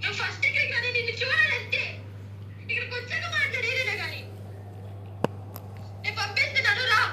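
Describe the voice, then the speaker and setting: Fast, high-pitched pleading woman. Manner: pleading, insistent. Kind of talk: private phone conversation, emotional and insistent. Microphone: phone call. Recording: echoey, noisy leaked phone call recording.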